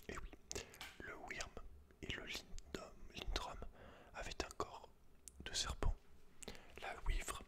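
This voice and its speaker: A man whispers throughout in a breathy, voiceless tone. He delivers it as ASMR, softly reading and explaining things informally and directly to the listener. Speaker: ASMR video creator. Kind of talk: whispered ASMR, reading aloud with casual asides.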